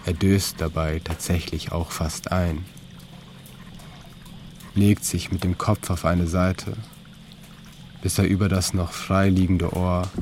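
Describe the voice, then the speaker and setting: Deep, flat-voiced male narrator. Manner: calm, slow, even storytelling in third person. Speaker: author-narrator of an audio piece. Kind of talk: scripted literary narration. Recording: clear ambient noise bed under the voice.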